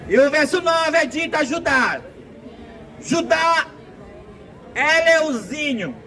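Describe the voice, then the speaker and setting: A Brazilian man with a Brazilian Portuguese accent preaching a sermon in a slow, deliberate, emphatic way, recorded outdoors. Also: very high voice, bright, forceful tone, rough recording. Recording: outdoor traffic noise behind.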